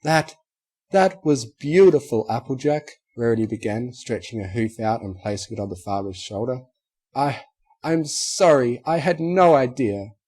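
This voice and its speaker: A man voicing a refined unicorn mare who speaks in a breathy, trembling, genteel way. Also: on the low side, fairly even intonation, fairly quick, hardly any pauses, mellow. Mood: moved.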